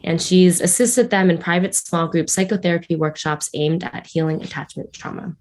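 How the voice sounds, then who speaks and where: A woman host reading a guest introduction in a measured way, with small slips. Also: on the low side, a little mellow.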